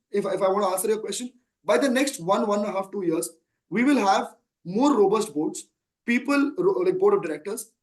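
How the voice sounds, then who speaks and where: Heard on a low-quality recording, a man with a high-sitting voice and an Indian accent speaks as a company chief executive on an earnings call. In his thirties, he answers at length and with emphasis, posing rhetorical questions.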